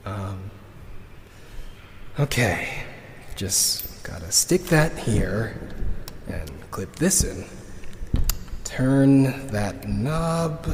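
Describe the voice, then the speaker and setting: An actor playing a grieving, resigned man in a sci-fi audio drama, talking haltingly and muttering to himself. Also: on the low side, full character voice. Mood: hesitant, muttering. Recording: reverberant space, faint background noise.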